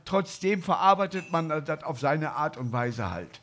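Guy hosting a comedy podcast on stage, fairly high voice, rambles and chuckles a lot. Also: big pitch swings, unhurried, fairly bright tone. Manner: rambling anecdotes, chuckles often. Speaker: podcast host. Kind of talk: casual comedy chat.

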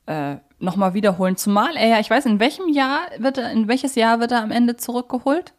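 A woman's voice: on the high side, expressive, a little fast. Enthusiastic German woman hosting a podcast. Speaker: podcast host. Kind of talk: conversational fan podcast discussion.

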